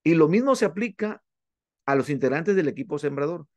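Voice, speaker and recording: A man teaching a class, working through his points methodically and listing items one at a time with pauses. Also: on the high side, expressive, no echo. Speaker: instructor. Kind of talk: classroom lecture on church planting.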